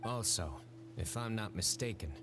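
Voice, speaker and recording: A man voicing a stern, composed young investigator in a video game, speaking in a measured, deadpan way. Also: lowish voice, natural voice. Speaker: game character. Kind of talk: game voice acting. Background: game music.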